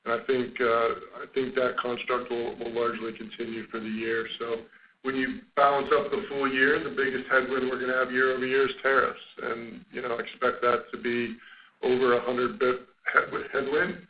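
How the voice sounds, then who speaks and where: A man speaking as a company finance executive, answering questions on an earnings call in a measured, halting business manner. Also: mid-range voice. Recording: muffled, noisy conference phone line.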